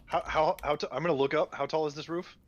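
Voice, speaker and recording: A man's voice: a little high, steady tone, quick pace. A man chatting casually as he describes his moves as a tabletop game player.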